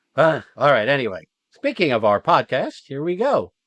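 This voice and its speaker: Over a quiet background, a man speaks at a fairly slow pace with a fairly high pitch. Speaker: podcast host, acting teacher. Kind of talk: casual chat.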